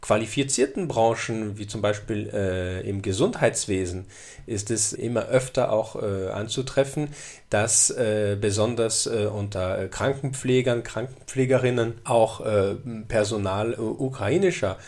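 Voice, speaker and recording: Low-voiced man explaining with hesitations. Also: unhurried, a little mellow. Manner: explanatory, hesitant, repeats words. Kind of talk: explanatory conversation.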